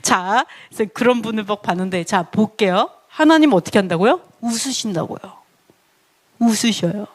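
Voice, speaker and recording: A woman giving a lively, playful Bible lesson who laughs often and keeps asking her listeners questions. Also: mid-range voice, moderate pace. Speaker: Bible teacher.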